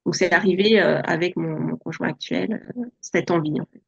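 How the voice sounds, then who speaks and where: A soft-spoken woman in her forties, born in France, telling her story as an interview guest with many hesitations. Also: lowish voice, steady tone, moderate pace, vocal fry, breathy edge, muffled recording. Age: 40s. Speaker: podcast guest. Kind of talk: relaxed personal interview.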